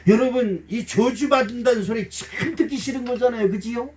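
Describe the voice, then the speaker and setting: A middle-aged pastor speaks a little fast in a very high-pitched voice, far from the mic in a church sanctuary. His sermon is folksy and emotional, with little acted-out dialogues and blunt, joking remarks to the congregation.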